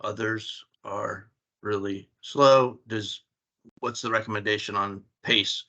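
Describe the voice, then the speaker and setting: A man's voice: lowish voice, fairly even intonation, slow, pushed and bright. A man asking a curious question during an online meeting. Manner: curious and inquiring. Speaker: meeting participant.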